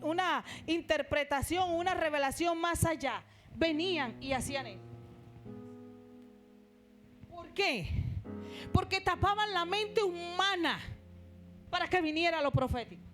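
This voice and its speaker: A woman's voice: extremely high pitch, a little slow, pauses often, a bit bright, faint music behind. A woman pastor with a Colombian Caribbean accent, preaching an emphatic sermon in a church. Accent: Colombian Caribbean Spanish. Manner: emphatic preaching, rising to exclamations. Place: church sanctuary.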